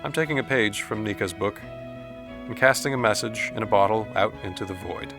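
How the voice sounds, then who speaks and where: An actor playing a dead man's trapped, anguished spirit who reads a letter in measured, formal diction in an audio drama. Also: lowish voice, close to an everyday voice. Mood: solemn, resigned. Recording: music under the voice.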